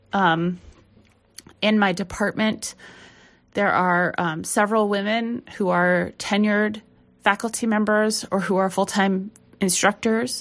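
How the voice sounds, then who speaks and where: Medium-pitched woman's voice, fairly slow and fairly even in intonation, with long, frequent pauses and a very clean recording over a silent background. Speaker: math professor. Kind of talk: interview conversation.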